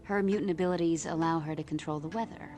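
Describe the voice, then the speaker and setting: An actress voicing a calm adult heroine who leads a newcomer on a tour of her team's home in a video game. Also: deep voice, fast, faint music behind, lightly acted. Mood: welcoming. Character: calm adult woman mutant team guide. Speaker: game character giving a house tour.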